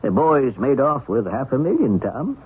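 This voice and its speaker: A wily American man in his seventies for a radio play. His voice is very husky and swings widely in pitch as he coaxes in a folksy way. It comes through thin, like an old broadcast over a phone line. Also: big pitch swings, moderate pace. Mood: wistful, sly. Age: older. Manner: folksy, coaxing, chuckling. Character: wily, folksy seventy-six-year-old pensioned bank-heist mastermind. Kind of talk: 1970s radio drama acting.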